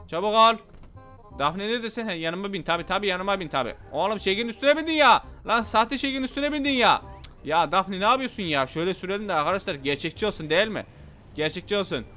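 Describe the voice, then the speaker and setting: A man giving loud, playful gameplay commentary, shouting at the game's characters as he plays. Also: high voice. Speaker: gaming channel host.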